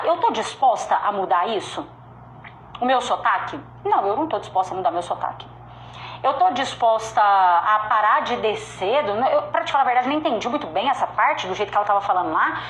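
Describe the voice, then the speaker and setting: A woman's voice: a little high, a little hiss or hum. A woman with a strong regional Brazilian accent giving a motivational sales talk, emphatic and direct, repeating her key points. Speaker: sales speaker. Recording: echoey room with faint ambience.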